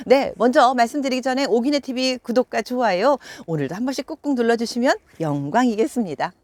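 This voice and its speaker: A woman's voice: on the high side, lively intonation, fairly quick, background noise. A middle-aged woman from Chungcheong, Korea, hosting her own channel and chatting casually to camera. She tells funny anecdotes with joking asides. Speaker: YouTube channel host. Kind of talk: casual storytelling talk to camera.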